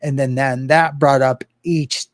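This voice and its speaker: A man speaking as an interview guest in casual talk, earnest and open, halting with many fillers and restarts. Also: mid-range voice, fairly even intonation, dry recording. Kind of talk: casual interview talk about personal experience.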